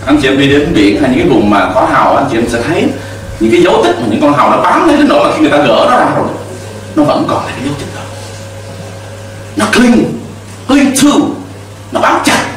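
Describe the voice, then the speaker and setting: A man's voice: a little high, very animated, fairly quick, pauses often, heavy reverb, far from the mic, slight background noise, low-quality recording. A middle-aged man preaching a sermon from a church pulpit into a handheld mic, emphatic, with call-and-response to the congregation. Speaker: pastor. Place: church stage with pulpit and cross.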